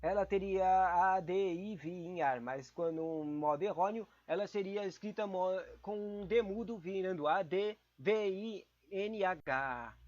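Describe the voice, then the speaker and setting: Guy studying grammar out loud, kinda high voice, mumbly and confused, dull lo-fi sound. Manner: casual, muttering, confused asides. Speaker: podcast host studying for exams. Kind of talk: thinking aloud while studying. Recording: dull lo-fi recording.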